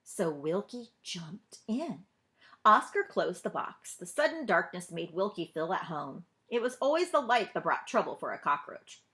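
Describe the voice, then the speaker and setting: A woman narrating a children's story as a librarian, expressively, pausing to put questions to young listeners. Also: on the low side, sing-song, sharp tone. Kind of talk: children's read-aloud narration.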